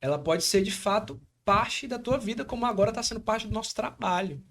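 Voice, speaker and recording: Man, Espírito Santo accent, podcast host, high voice, lively slangy chat. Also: fairly quick, slight background noise. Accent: Espírito Santo Brazilian Portuguese. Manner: animated, full of slang fillers. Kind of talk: casual chat.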